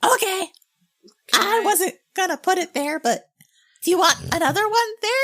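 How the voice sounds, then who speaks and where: A woman uses a put-on character voice that is squeaky and extremely high in pitch. She moves at a moderate pace with long, frequent pauses. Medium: actual play. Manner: eager, simple, earnest.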